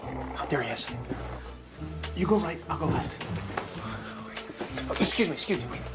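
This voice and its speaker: A man's voice: fairly high pitch, lively intonation, normal speed, loud music behind the voice, close to an everyday voice. Flirty, playful firefighter for a male actor, romantic comedy film, swooping intonation, prominent score behind. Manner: teasing, persistent, playful.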